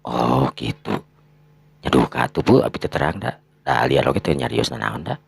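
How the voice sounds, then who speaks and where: A man voicing a meek, poor young husband in a story, hesitant, soft-spoken and deferential, with a Sundanese accent. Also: a bass voice, lively intonation, normal speed, gravelly, slightly rough, pitched below the performer's own voice, heavily acted. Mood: puzzled, deferential.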